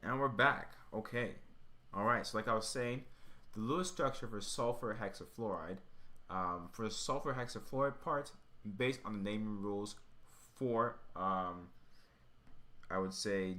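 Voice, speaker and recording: Working through the material out loud, a man tutoring chemistry gives a casual, step-by-step explanation. His lowish voice has a sharp edge and moves at a normal speed.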